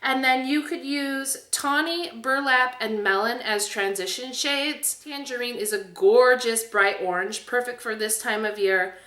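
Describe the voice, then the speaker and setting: Female beauty vlogger, bright and emphatic, chatty review delivery in an echoey room. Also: fairly high pitch, unhurried, hardly any pauses. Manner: enthusiastic, emphatic. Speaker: beauty video host. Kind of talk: casual product review to camera.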